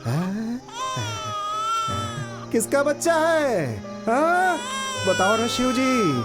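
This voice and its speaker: An actor dubbing an older male cremation-ground keeper, gruff at times and tearfully pleading at others. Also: very high-pitched, very animated, very slow, over loud music, exaggerated voice. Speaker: dubbed film character. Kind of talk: Hindi film dubbing. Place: dubbing studio.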